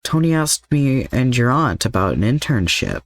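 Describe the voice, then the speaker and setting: A man voicing a calm, manipulative older mercenary villain in an audio story, composed and coaxing. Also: medium pitch, moderate pace, no room sound, pitched above the performer's own voice.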